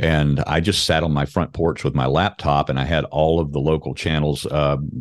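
A man's very deep, low voice with vocal fry, an American accent and fairly even intonation. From Louisiana. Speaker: musician and independent journalist. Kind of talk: interview.

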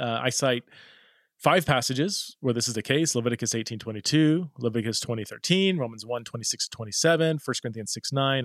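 A plain, everyday voice from a man, at a fairly quick pace with ordinary pitch variation and big swings in loudness, dry and close with no echo over a quiet background. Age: 40s. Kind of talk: solo podcast monologue on theology. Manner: casual with frequent fillers and self-restarts.

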